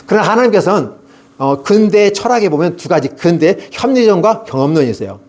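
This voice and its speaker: A man's voice: high voice, very animated, fairly quick, a little mellow. A middle-aged male pastor preaching an evening revival sermon, asking rhetorical questions and acting out people's prayers.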